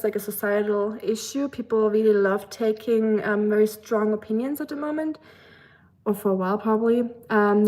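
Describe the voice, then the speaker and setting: A woman's voice: medium pitch, mellow, low-quality recording. A young woman with a German accent from the Black Forest, hosting a live stream and chatting casually with viewers while she cooks, with many ums and likes. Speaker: livestream host. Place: home kitchen in the US.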